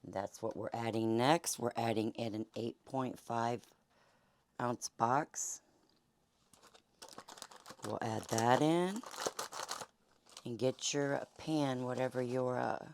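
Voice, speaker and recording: A woman host with a Southern accent and a hoarse, fading voice, chatting folksily through a home cooking demonstration. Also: extremely low pitch, darkish tone, dry recording. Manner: chatty, folksy, many fillers. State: hoarse, losing her voice. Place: home kitchen.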